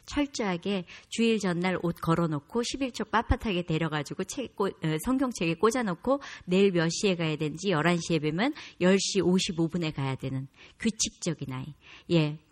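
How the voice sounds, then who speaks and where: A woman in her fifties, a comedian, giving a candid personal testimony to a church congregation, telling her story with self-deprecating humor and a calm, low delivery. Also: a little fast. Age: 50s.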